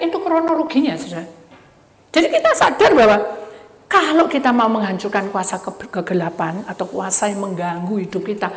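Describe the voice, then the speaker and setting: An older woman pastor preaches and gives testimony, jumping from loud cries to hushed, almost whispered lines. Her voice is middle-pitched and reaches the mic from some distance. A large hall's long reverb hangs on every phrase. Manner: swings from loud exclamations to hushed near-whispers. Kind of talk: sermon with personal testimony. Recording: echoey hall from far off.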